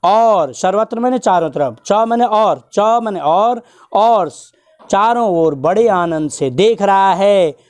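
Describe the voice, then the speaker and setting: A man teaching a school lesson, going word by word, repeating himself, and chanting verses slowly. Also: sits high, animated, darkish tone. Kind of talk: Sanskrit lesson explanation.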